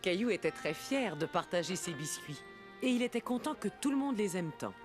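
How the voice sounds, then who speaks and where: An actor playing a kindly storybook narrator in a children's cartoon, telling the story gently. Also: mid-range voice, big pitch swings, brisk, music in the background, natural voice. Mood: gentle. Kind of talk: scripted narration.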